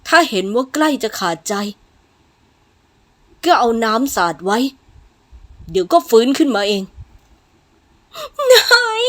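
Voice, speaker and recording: A woman's voice: very high-pitched, slow, long pauses, voice pushed up. A woman voicing a frail young man who pleads and sobs for his medicine in an audiobook drama. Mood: sobbing. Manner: pleading, sobbing, rising to shouts. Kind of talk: audiobook voice acting.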